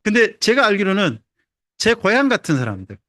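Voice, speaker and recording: A pastor preaches in a high, animated voice, keeping his sermon chatty and humorous. He keeps putting questions to the congregation. The recording is dry and close, with little room sound. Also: fairly quick, dry recording. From Jeolla, South Korea.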